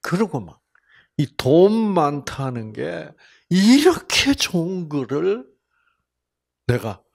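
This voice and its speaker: An older man from Busan, giving a Bible lecture with personal testimony, telling stories folksily and swinging between loud exclamations and soft asides. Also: fairly high pitch, big pitch swings, slow, creaky. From Korea (Busan). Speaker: health seminar lecturer.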